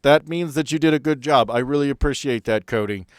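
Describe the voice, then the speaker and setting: A man playing a bossy but fond, wisecracking helicopter pilot in a tabletop game, giving brisk, bantering orders. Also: mid-range voice, no room sound, studio quality, pitched above the performer's own voice, lightly acted. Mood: appreciative, brisk.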